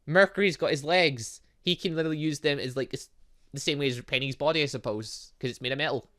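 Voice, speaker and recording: A man doing lively let's-play commentary as a gaming video host, exclaiming and talking to the game's characters. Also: fairly high pitch. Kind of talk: lively let's-play commentary, reading game dialogue aloud.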